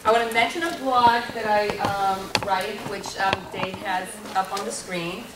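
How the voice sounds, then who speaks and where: A woman on a workshop panel telling how she runs a math circle, with a loud voice and a lively, animated storytelling manner. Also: medium pitch, unhurried. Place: workshop room. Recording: roomy hall sound from a distant mic, noisy.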